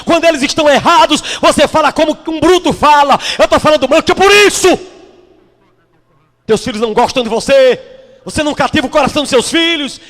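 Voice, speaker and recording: A man from Brazil, a bishop delivering an impassioned, scolding sermon that breaks into shouts. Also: very high voice. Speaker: bishop preaching. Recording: long hall reverb.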